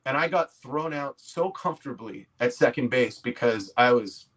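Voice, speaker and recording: A man's voice: medium pitch, expressive, normal speed, a bit bright, low-quality recording. Canadian man in his forties telling stories casually. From Quebec, Canada. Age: 40s. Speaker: podcast guest, comedy actor and writer. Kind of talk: casual conversational storytelling.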